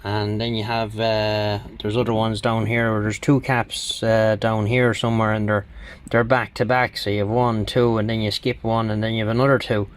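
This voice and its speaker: A man's voice: lowish voice, little pitch movement, normal speed. A middle-aged man casually talking through a radio repair at his workbench, rambling and plain-spoken with many ums and you-knows. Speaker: radio hobbyist channel host. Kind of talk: casual hands-on demonstration.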